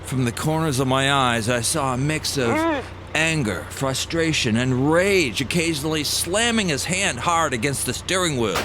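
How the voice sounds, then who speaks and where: A man narrating a scripted personal story with dramatic pauses and wry amusement, as a storyteller recalling his own past. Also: medium pitch, expressive, background noise. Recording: music behind the voice. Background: music bed.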